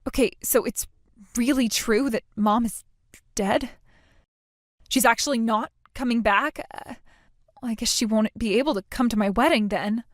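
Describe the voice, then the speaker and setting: A woman's voice: a little high, unhurried, pauses often, no room sound, studio quality, natural voice. An actress playing a self-absorbed bride who whines, stammers and makes demands of her sister. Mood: bewildered. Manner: whiny, self-pitying, stammering. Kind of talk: scripted drama acting.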